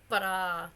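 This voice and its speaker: A young adult woman streaming a game, talking casually and rambling, her voice still slightly hoarse and not fully recovered, with bursts of excited squealing. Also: lowish voice. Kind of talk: casual let's-play chat. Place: home streaming setup.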